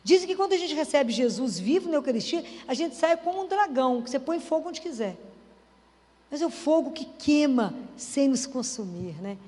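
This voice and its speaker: A woman's voice: sits high, sing-song, normal speed, warm tone. A woman giving a conversational sermon, acting out little dialogues as she preaches. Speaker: Catholic speaker. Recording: reverberant hall.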